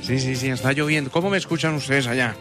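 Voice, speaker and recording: A man's voice: mid-range voice, fast talker, music in the background. A Colombian man telling jokes on radio, playful and laughing at his own punchlines. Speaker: radio humorist. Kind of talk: joke-telling radio chat.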